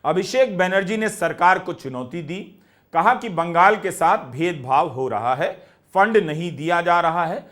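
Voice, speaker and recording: A man hosting and narrating scripted news commentary in a measured, explanatory way. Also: sits high, animated, a bit bright.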